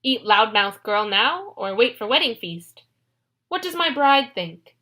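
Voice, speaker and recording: A woman voicing a huge, slow-witted male cyclops who talks loudly in slow, broken phrases. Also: fairly high pitch, very animated, exaggerated voice. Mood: gruff. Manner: slow, loud, halting broken speech.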